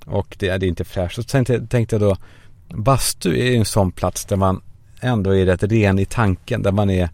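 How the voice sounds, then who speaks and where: Gravelly low-toned man rambling in a car. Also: fairly even intonation, darkish tone, no echo. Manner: self-mocking, swearing, acts out voices in quotes. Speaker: podcast host. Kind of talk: rambling comic monologue. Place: parked car.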